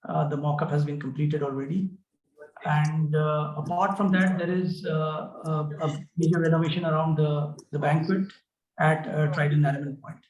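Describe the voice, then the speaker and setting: A man with an Indian accent answering questions as a company executive on an earnings call, explaining in a measured, hesitant way. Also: a little high, little pitch movement, darkish tone, muffled recording, slight background noise. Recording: roomy, echoing conference call.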